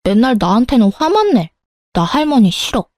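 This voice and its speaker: A woman voicing a clever, outspoken young schoolgirl in a spoken story, her voice a little higher and lighter than her own. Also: sing-song, normal speed, a little mellow, no echo, clean studio sound. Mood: complaining.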